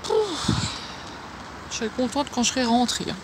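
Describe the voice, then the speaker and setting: French woman vlogging, kinda high voice, chatty, talks to her cats sing-song, bit of noise behind. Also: steady tone, racing. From France. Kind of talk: casual vlog chat.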